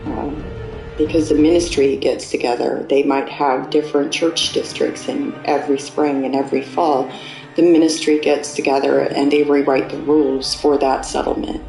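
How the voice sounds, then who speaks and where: A former Amish speaker, a native speaker of Pennsylvania Dutch, explains things in a slow, deliberate, measured way. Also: mid-range voice, flat delivery, creaky, a little mellow. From Amish settlements in the US. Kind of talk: earnest explanatory talk. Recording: echoey room with music underneath.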